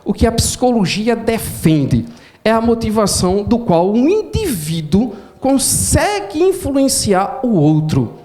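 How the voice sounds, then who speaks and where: A man from Pernambuco, a professor giving an animated storytelling lecture. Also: high voice, a little slow. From Pernambuco, Brazil. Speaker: professor and speaker.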